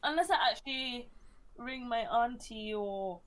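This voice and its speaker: A woman chatting casually on a podcast, talkative and quick to laugh. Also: a little high. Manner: chatty, laughs easily, self-conscious. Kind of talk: casual chat.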